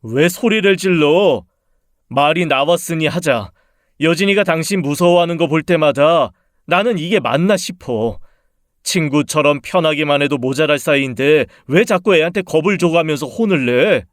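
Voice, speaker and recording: A man's voice: a little high, moderate pace, dry recording, studio quality, lightly acted. A man voicing a resentful, tipsy husband in a dramatized radio story, speaking in a reproachful, accusing way.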